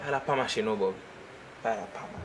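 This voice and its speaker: A man's voice: fairly low pitch, rapid-fire, natural voice. An actor playing a hesitant, evasive young man in a film. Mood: nervous. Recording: noisy background.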